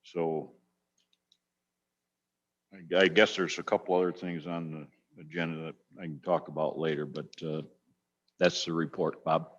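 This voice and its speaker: A man giving a halting committee report at a county meeting, with frequent pauses. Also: rumbling low, flat delivery, lo-fi sound.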